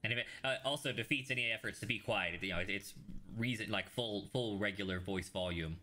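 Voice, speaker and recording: Male game master, very low pitch, forceful edge, halting improvised narration. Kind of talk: narrating a tabletop fantasy game.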